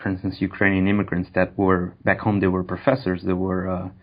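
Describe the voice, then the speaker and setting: A man's voice: low-pitched, monotone, fairly quick, dull audio. A man in casual conversation as a guest, speaking hesitantly and searching for his words. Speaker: interview guest.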